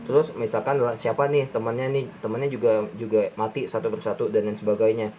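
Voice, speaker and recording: A man's voice: lowish voice, flat delivery, fast, darkish tone, slight background noise, poor audio. A young man giving a casual film breakdown, rambling with many restarts and slangy fillers. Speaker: film review YouTuber.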